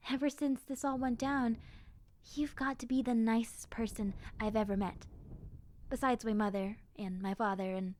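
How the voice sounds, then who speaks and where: Woman voicing a slow, sweet, high-pitched zombie girl. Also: natural voice. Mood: grateful, tender. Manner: soft, hesitant, sighing, childlike sincerity. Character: friendly, gentle, wistful young zombie girl survivor. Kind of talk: roleplay audio drama monologue.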